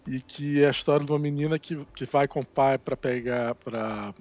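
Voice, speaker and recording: A man co-hosting a casual chat, explaining haltingly and searching for words. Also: mid-range voice, steady tone, a little mellow. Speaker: podcast co-host.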